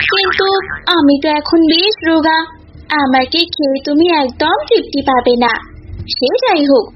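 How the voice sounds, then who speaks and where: High-pitched clever cartoon cow, voiced by a woman. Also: highs cut off, slight background noise, natural voice. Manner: coaxing, reasoning, addresses listener as uncle. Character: clever, unafraid young female cow, coaxing and polite. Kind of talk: animated folk-tale cartoon dialogue.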